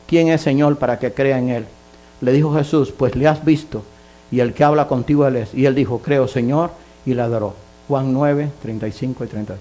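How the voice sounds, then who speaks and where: A male pastor preaching a sermon and leading a prayer, earnest and emphatic, stacking repeated phrases and climbing to fervent high passages. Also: a little mellow.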